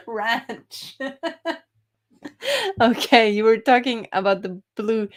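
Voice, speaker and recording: A woman's voice: a little high, big pitch swings, extremely slow. A young woman hosting a writing live stream, reading chat comments aloud in a cheerful, giggly way.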